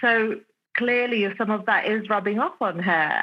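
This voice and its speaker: A woman speaks with a London accent. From London, England. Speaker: guest, former lawyer turned photographer. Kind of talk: interview conversation.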